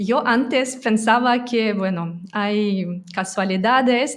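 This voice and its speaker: The speaker has a Russian accent and talks at a very slow pace. Pitch variation is ordinary, with audible room echo. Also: woman. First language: Russian (speaking Spanish). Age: 30s. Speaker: marketing consultant and entrepreneur. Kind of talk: interview.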